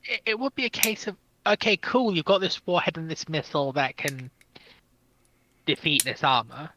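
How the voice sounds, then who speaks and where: A man's voice: fairly high pitch, moderate pace, pushed and bright, muffled recording, slight background noise. A man on a discussion panel, reasoning through a point off the cuff. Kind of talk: unscripted expert discussion.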